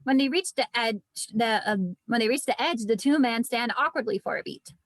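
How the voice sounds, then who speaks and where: Fairly high-voiced woman narrating a script. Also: normal speed, no echo. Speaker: narrator reading stage directions. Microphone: video call.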